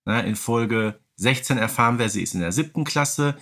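A man's voice: medium pitch, lively intonation, moderate pace, a bit bright. A man talking in an explanatory, conversational way as co-host of a casual podcast, often adding tag questions.

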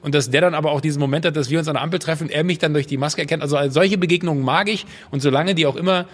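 A man with a husky voice, pitched a little high, chats casually as a podcast guest. He tells anecdotes with animation, slips into other people's voices and often restarts his sentences. The sound carries a long hall reverb. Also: very fast. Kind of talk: casual chat.

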